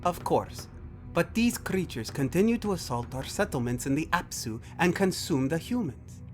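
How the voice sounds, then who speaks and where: A man's voice: a little high, lively intonation, a little mellow, soft background music, voice pushed up, close to an everyday voice. Man playing an earnest, lofty alien nobleman. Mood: earnest, resolute. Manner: formal, deliberate, lofty. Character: ancient alien nobleman, earnest idealist pleading for coexistence. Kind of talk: scripted sci-fi audio drama.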